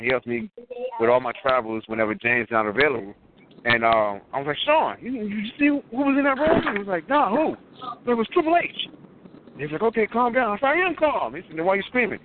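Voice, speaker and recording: Animated man telling stories over a phone line. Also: medium pitch, background noise. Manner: animated, acts out quotes in a raised voice. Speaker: guest wrestler. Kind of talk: casual storytelling chat. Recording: tinny phone-line audio.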